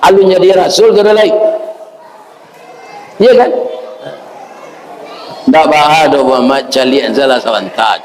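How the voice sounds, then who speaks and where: Slow-talking Minangkabau preacher in an echoing hall. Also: male voice, a little high. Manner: folksy, addresses listeners as "Pak", asks "ya kan?". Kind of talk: sermon. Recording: echoey hall with faint ambient noise.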